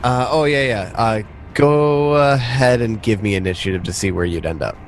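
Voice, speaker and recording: A man's voice: mid-range voice, moderate pace, slight background noise. A man narrating a tabletop roleplaying game as game master in a casual, conversational way. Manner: informal, conversational.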